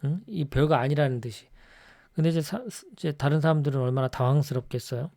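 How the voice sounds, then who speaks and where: A man giving an explanatory lecture on personality types in a conversational way, often checking in with the listener with a quick rising tag. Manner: acts out scolding examples in a louder, higher voice.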